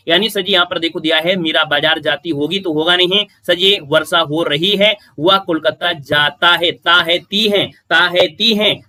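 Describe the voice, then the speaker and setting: Bright, bouncy male grammar teacher. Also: on the high side. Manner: addresses listeners as sir, repeats answers emphatically. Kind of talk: exam question walkthrough.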